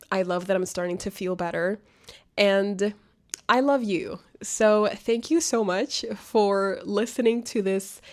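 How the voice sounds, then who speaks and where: A young woman vlogging a casual life update, chatty and rambling, her voice nasal and congested from a cold. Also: mid-range voice. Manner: chatty, rambling, affectionate, laughs often. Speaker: booktuber vlogger.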